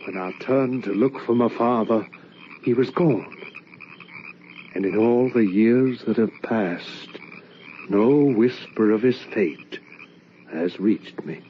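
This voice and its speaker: An actor playing a grieving son telling of his haunting, in measured old radio drama style on a dull lo-fi recording. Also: on the low side, slight background noise. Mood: somber. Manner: somber, measured storytelling. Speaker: narrator. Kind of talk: 1940s radio acting.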